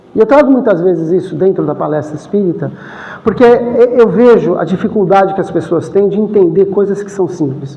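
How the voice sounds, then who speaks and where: Over noticeable background noise and audible room echo, a man talks at a moderate pace and a high pitch, with ordinary pitch variation. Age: 60s. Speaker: spiritist lecturer. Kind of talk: lecture. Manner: conversational, interacts with audience.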